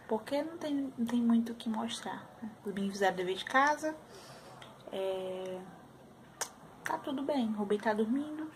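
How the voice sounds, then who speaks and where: A woman, chatting softly to camera in a casual home vlog. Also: mid-range voice, slight background noise. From Brazil. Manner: soft, chatty, sliding into baby talk. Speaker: vlogger mother. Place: apartment at home.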